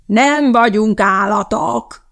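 A woman's voice: mid-range voice, lively intonation, lightly acted. A woman voicing a strict, irritable schoolteacher who scolds her class in an audiobook. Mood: shouting. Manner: scolding, bossy.

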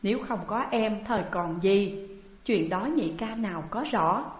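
A woman's voice: a little high, expressive, unhurried. A woman doing a tearful pleading young sworn brother. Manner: pleading, plaintive. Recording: dull echoey hall recording.

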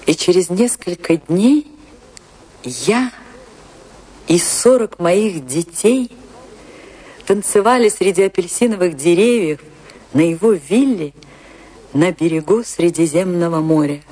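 Slow, husky, wistful woman dancer. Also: on the low side, lively intonation, mellow, exaggerated voice. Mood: nostalgic, tender. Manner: theatrical, wistful, emotive delivery with dramatic pauses. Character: famous woman dancer recalling her tragic love, romantic, anguished. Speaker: actress narrating a radio play. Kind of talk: dramatic first-person radio play monologue. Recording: radio play with music behind.

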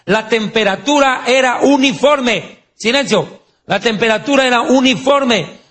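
A man's voice: sits high, a bit bright. A man preaching a sermon in Spanish-language style, mixing teaching with anecdotes and jokes, asking rhetorical questions and acting out quoted voices.

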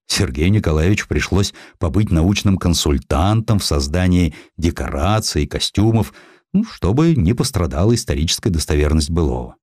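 A male narrator with a low voice reads a historical sketch expressively. His intonation moves widely and his phrasing is theatrical and deliberate. The recording is very dry. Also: darkish tone, dry recording. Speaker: audiobook narrator.

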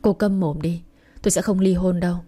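A woman's voice: lowish voice, steady tone, a little fast, dark tone, lightly acted. A woman voicing a cold, greedy young husband who snaps harshly and fawns over his rich boss. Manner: curt and harsh, turning servile to his boss.

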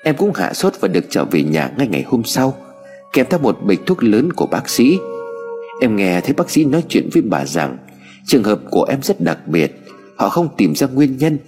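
A man's voice: mid-range voice, huge pitch swings, normal speed, a little mellow. A man narrating a story expressively. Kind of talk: scripted narration. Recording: hall reverb with music bed.

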